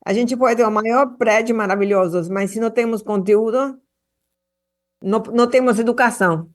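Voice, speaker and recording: A woman from Argentina speaking Portuguese, giving an earnest address to a public hearing over a remote link, halting with frequent restarts and fillers. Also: a little high. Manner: passionate, earnest.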